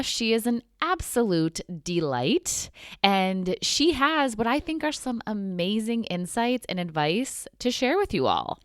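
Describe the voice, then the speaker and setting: A woman hosting a podcast, reading a scripted intro and then chatting with a guest, upbeat and quick to laugh. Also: medium pitch, no room sound, studio quality. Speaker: podcast host.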